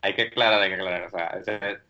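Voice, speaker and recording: A man with a Puerto Rican accent hosting a podcast, chatting in a relaxed way. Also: fairly low pitch, fast talker, dull audio. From Puerto Rico. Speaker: podcast host. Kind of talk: casual podcast chat.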